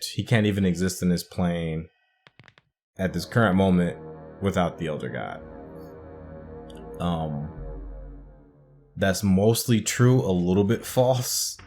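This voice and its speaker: Male gaming host, low-pitched, informal, thinking aloud over faint background music. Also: darkish tone. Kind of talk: casual game commentary.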